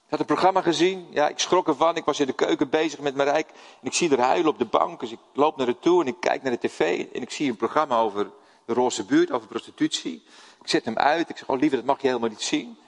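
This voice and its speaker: A man's voice: fairly high pitch, quick pace, gravelly. An older Dutch man preaching a sermon, telling stories and putting questions to his congregation. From Netherlands. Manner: lively storytelling, asks the audience questions. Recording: long hall reverb.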